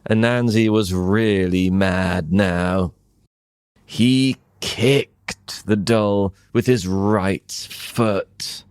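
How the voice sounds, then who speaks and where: British man, English teacher, lowish voice, extremely slow storytelling, simple phrasing, deliberate pauses, dry sound. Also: steady tone, a little mellow, clear, resonant tone, no room sound.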